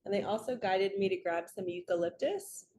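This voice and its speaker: A woman with a slightly raspy, just-woken-up voice, hosting a casual spiritual reading vlog in an earnest, chatty way that drifts into stories. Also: medium pitch, normal speed, warm tone, slight background noise. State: raspy from waking up and allergies. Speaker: host, spiritual card reader.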